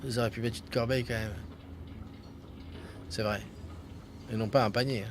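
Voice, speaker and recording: A man's voice: medium pitch, steady tone, fairly quick. A man streaming a video game with casual commentary, muttering joking asides. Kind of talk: casual live gameplay commentary. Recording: noisy game sound behind. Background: video game audio.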